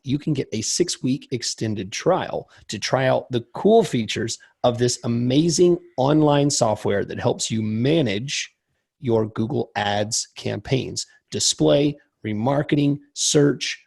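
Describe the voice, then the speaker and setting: A man co-hosts a podcast in a gravelly, husky voice that is a little hoarse and crackly. He speaks casually, with a self-deprecating and somewhat awkward manner. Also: medium pitch, a little mellow. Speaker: podcast co-host.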